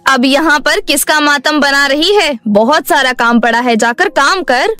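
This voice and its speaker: A woman's voice: high-pitched, a little slow, sharp tone, faint music behind. A woman voicing a cruel, haughty, short-tempered mistress of the house in a cartoon story, scolding and threatening. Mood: scornful, bossy. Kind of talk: animated moral story dialogue.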